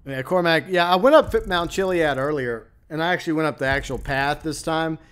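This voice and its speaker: A streamer man chats loosely while playing, full of fillers and side remarks. His voice sits somewhat high for a man. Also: a little fast, a bit bright, smooth. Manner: rambling, chatty, many fillers and asides. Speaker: streamer host. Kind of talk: casual live-stream gaming chat.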